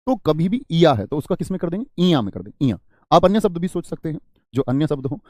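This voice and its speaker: A man's voice: a little high, sing-song, fast talker, dark tone, no echo, clean studio sound. A male teacher running a live online grammar class, often asking questions, repeating words and reading out student comments. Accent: Hindi.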